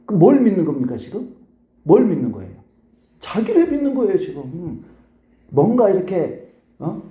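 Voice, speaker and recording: Animated male pastor preaching in an echoey church. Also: high-pitched, moderate pace, dull audio. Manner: emphatic, repeats key phrases, asks the congregation questions. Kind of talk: Sunday sermon. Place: church sanctuary.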